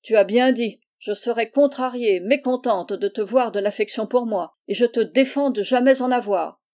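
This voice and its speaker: A woman reading aloud voices a stingy, cruel older woman who scolds loudly and sharply. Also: fairly high pitch, normal speed, close to an everyday voice. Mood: scolding.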